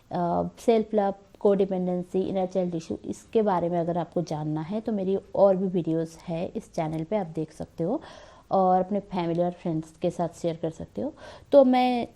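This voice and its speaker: A woman's voice: fairly low pitch, dark tone. A woman hosting her own spiritual channel, giving a casual talk to the camera and asking rhetorical questions. She is a little unwell. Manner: conversational, asks rhetorical questions. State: slightly unwell, coughing.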